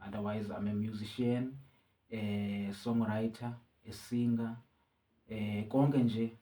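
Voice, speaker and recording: A man with a South African accent, a musician being interviewed, talking casually with frequent pauses and restarts. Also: fairly low pitch. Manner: relaxed, halting with many restarts. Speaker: musician guest. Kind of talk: casual interview, code-switching.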